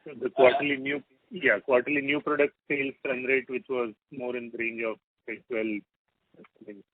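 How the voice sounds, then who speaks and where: A man's voice: medium pitch, level tone, normal speed, no echo. A man, an analyst caller asking questions on an earnings call in a hesitant way. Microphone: telephone. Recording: tinny, dry phone line.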